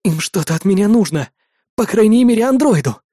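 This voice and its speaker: A man's voice: sits high, expressive, normal speed, a little mellow, slightly rough, dry recording, studio quality, pitched above the performer's own voice. A man reading an audiobook who voices a panicked, wounded male soldier trapped in wreckage, crying, shrieking and begging in pain. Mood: shaken, agitated. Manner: shrieking, pleading, sobbing. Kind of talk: audiobook character voice.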